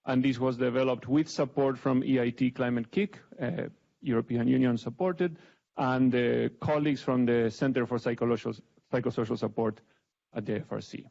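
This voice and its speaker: A middle-aged man with an Argentine accent speaks to a panel audience in a relaxed, self-mocking way. His voice has a gravelly edge. The recording sounds dull and lo-fi. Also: mid-range voice, normal speed. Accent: Argentine Spanish. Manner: self-deprecating, conversational. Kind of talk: public talk with slides.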